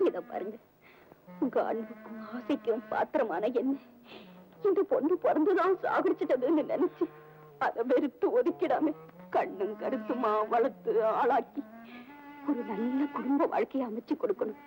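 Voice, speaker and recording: A woman's voice: high voice, expressive, moderate pace, highs cut off. An actress playing a mother in an old film drama, speaking in an emotional, imploring way. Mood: pleading. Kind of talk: 1970s film drama acting. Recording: old film soundtrack with music.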